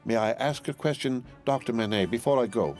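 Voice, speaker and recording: A man voicing a fussy, fiercely loyal middle-aged woman servant who talks brisk and emphatic. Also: mid-range voice, darkish tone, faint music behind, pitched above the performer's own voice, lightly acted.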